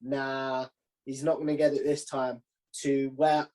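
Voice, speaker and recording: A man hosts a relaxed podcast interview in a medium-pitched voice. He talks informally, shares opinions freely and works out his thoughts as he speaks. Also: a little slow. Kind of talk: casual chat interview.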